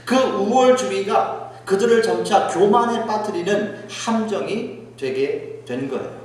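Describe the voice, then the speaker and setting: A man's voice: high-pitched, animated, a little slow, very echoey, far from the mic. A man preaching a sermon as pastor, dramatic, acting out quoted speech in a raised voice. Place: church sanctuary.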